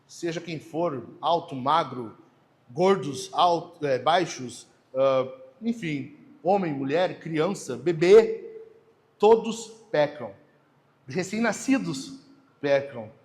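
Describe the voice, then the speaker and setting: A man's voice: fairly high pitch, lively intonation, slow pace. A middle-aged man, preaching a sermon in a joking, conversational way with asides to the congregation. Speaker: pastor.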